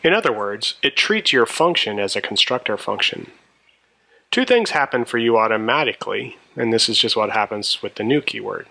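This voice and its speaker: A man's voice: medium pitch, vocal fry, sharp tone, rough recording. A man narrating a programming tutorial in a methodical, explanatory way. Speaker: programming instructor. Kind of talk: tutorial narration over a screencast.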